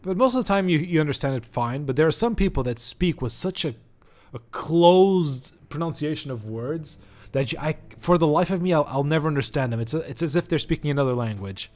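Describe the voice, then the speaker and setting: A man's voice: a little high, animated, fairly quick, a little mellow. Irreverent Portuguese-accented male gamer. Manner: irreverent, joking, rambling. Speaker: streamer. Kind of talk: let's-play commentary.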